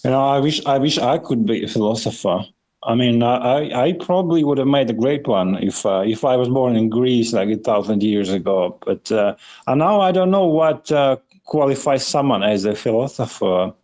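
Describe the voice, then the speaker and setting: A man with a soft-edged, mellow voice at an average male pitch co-hosts a podcast. He talks casually and rambles, hesitating often and repeating words as he feels his way through each thought. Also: lively intonation, moderate pace. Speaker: podcast co-host.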